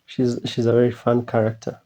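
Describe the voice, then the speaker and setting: A man's voice: mid-range voice, completely flat delivery, fairly quick, dark tone. A man giving casual reaction commentary as a video host, in a hesitant, musing way.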